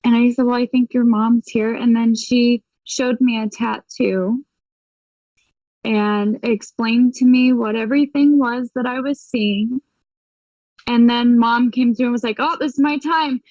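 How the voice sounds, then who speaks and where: A woman's voice: fairly high pitch, level tone, measured pace, dark tone, no echo, highs cut off. A woman, a medium, telling a personal story in an interview, acting out the dialogue vividly and laughing often.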